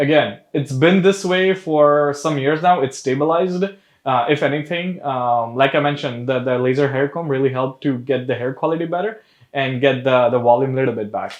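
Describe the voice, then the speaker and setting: Using a normal speaking voice, a man with an American accent and a fairly high pitch talks at a fairly quick pace with ordinary pitch variation. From US Midwest, Chicago, Gujarati family. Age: 20s. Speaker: hair transplant patient. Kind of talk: testimonial interview. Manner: casual with frequent uh fillers.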